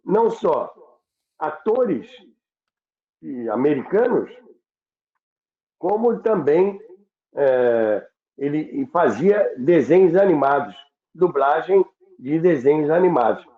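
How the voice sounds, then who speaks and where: A Brazilian man hosting a reminiscing talk, halting and repeating words as he searches for them, on a roomy, dull recording. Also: a little high, expressive. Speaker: host of a radio history show.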